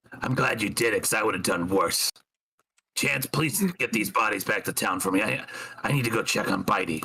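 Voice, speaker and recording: Using a put-on character voice, a raspy man speaks at medium pitch and a fairly quick pace. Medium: actual play. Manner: blunt, sardonic.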